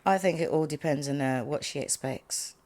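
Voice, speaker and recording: A woman's voice: low voice, moderate pace, darkish tone. A woman guest in a casual interview, blunt and opinionated.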